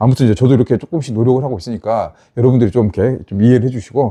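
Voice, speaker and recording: Against a quiet background, a man talks. His pace is very fast. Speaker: local real estate news YouTuber. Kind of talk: solo news commentary.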